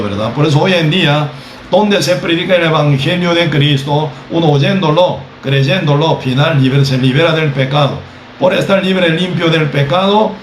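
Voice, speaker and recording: In an echoey, roomy recording with faint background noise, a Costa Rican man preaches at a measured pace. His voice sits a bit higher than usual, and he keeps checking in with the audience by saying "¿verdad?" often as he teaches.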